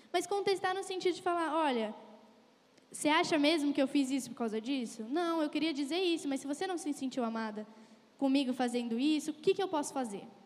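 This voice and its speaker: A high-pitched woman at a fairly quick pace, lively intonation over noticeable background noise. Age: 20s. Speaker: guest preacher, pastor's daughter. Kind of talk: testimony within a shared sermon.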